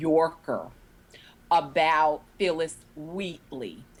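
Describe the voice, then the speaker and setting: A woman with an American accent talks at a very slow pace in a fairly low pitch. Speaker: poet. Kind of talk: interview. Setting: studio, on camera. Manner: hesitant, many fillers.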